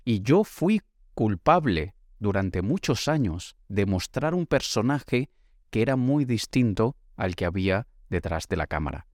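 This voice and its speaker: A man's voice: fairly low pitch, sing-song, unhurried, darkish tone, no room sound, clean studio sound. A man, giving a motivational podcast monologue in a projected, emphatic voice into a microphone. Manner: projected, emphatic announcer-style delivery. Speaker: podcast host and author. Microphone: studio microphone.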